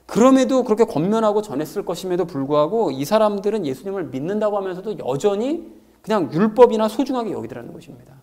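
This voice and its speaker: A pastor preaches a sermon, expressive and explanatory, acting out quoted lines as he goes. His voice sits high.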